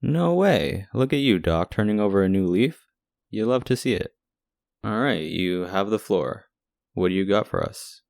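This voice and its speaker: Guy playing a sweet jokey boyfriend, asmr roleplay, really low voice, close dry sound. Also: expressive, normal speed, gravelly, no echo. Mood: upbeat, wry. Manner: teasing, sweet, gently joking. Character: affectionate, playful young boyfriend visiting hospitalised partner. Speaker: audio roleplay voice actor.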